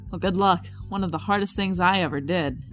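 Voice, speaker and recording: A woman's voice: on the low side, fairly quick, faint music behind, natural voice. An actress playing a polite, guarded but playful woman in a naturalistic audio drama. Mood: polite, reserved.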